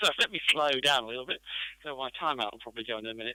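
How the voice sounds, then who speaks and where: The man's voice sits at a medium pitch, with ordinary pitch variation. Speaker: amateur radio operator. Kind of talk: radio net check-in. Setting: digital radio net. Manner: fast; halting, many fillers.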